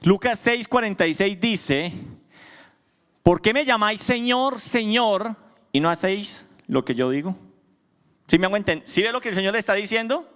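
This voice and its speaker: Male pastor, sermon, lively swooping delivery, call-and-response, echoing church hall. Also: sits high, normal speed, clear, resonant tone. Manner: asks the congregation questions, answers himself emphatically. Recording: long church hall reverb.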